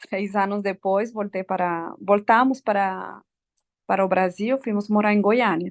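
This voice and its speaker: A woman in a Venezuelan accent, medium in pitch with fairly even intonation, at a fairly slow pace, dry and close with no echo against a quiet background. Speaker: talk speaker. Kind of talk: personal testimony. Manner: halting, many fillers and repetitions.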